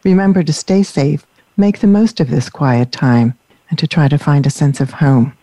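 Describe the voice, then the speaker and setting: A woman hosting a radio interview show, speaking in an appreciative, measured way and closing the episode. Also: deep voice, dark tone, no echo.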